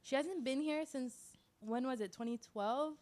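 A woman's voice: sits high, moderate pace, darkish tone. A woman with a Toronto accent in casual chat, talking in a playful, emphatic, slangy way.

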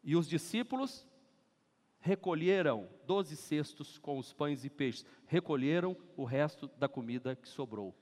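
A Brazilian man preaching a lively sermon as pastor, acting out scenes and leading the congregation to read aloud together. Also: fairly high pitch, unhurried. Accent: Brazilian Portuguese. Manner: animated, acts out scenes and leads congregation in shouting. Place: large church hall. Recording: long church hall reverb.

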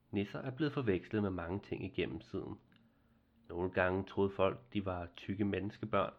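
A man narrating a fairy tale in a calm, measured reading voice as host of a story series. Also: fairly low pitch, creaky, highs cut off.

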